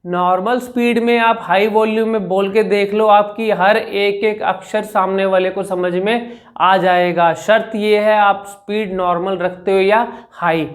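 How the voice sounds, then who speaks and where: Young Indian male speech coach, Hindi accent, fairly high voice, patient explainer who stretches vowels. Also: steady tone. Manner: slow drawn-out demonstration of vowels, repeats "ठीक है ना". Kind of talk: spoken lesson to camera.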